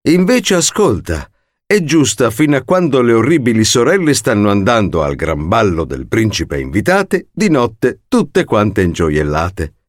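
A man's voice: medium pitch, dry recording, clean studio sound. A man reading a rhymed fairy tale aloud in a playful, theatrical way. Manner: playful, theatrical rhyming delivery. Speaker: storyteller.

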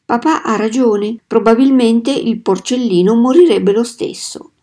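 Woman doing a farm mom, calm and matter-of-fact, soft mellow voice. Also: on the high side, a little slow, natural voice.

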